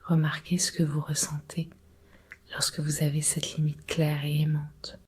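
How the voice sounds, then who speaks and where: A woman leading a guided relaxation meditation in a breathy, husky, often near-whispered voice, giving slow, soothing, measured instructions. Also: deep voice, monotone, a little mellow. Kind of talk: guided Yoga Nidra meditation.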